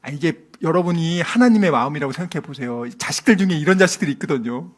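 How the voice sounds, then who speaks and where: Middle-aged man, pastor, sermon delivery, high voice, swings widely in pitch. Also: fast. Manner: animated, acts out quoted voices, loud outbursts. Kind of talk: early-morning sermon.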